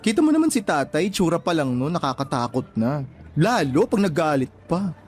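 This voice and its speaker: A man's voice: fairly high pitch, sing-song, normal speed, darkish tone. A man playing a flamboyant young gay Filipino in a radio drama, sassy and dramatic, with slangy exclamations. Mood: dramatic recounting. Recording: music playing under the voice.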